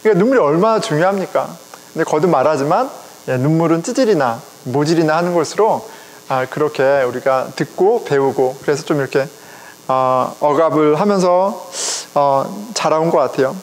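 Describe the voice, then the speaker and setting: A middle-aged man, a pastor, preaching a sermon in a conversational, animated way, speaking directly to his congregation. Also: on the high side, normal speed. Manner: conversational, animated, chuckles often, addresses congregation. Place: church sanctuary. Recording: long reverb of a church hall.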